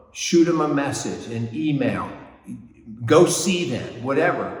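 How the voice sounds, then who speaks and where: A man talks with ordinary pitch variation. Audible room echo and noticeable background noise surround his voice. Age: 60s. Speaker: podcast host. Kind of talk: motivational monologue. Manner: conversational, with frequent fillers and repeats.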